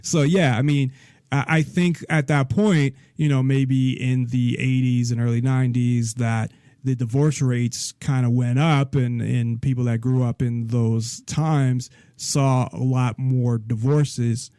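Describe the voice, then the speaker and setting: A man's voice: mid-range voice, fairly even intonation, slow, warm tone, clean tone, dry recording, clean studio sound. A man hosting a casual interview, talking in a rambling way with frequent restarts and small laughs. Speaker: host.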